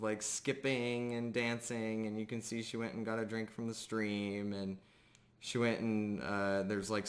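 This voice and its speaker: A man narrating a tabletop game as game master, improvising in a casual, halting way. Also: on the low side.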